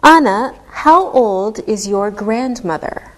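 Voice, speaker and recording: Very slow, deliberate woman teacher. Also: mid-range voice, expressive. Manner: patient, deliberate, spells things out step by step. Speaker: English teacher. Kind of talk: slow, clearly enunciated classroom teaching.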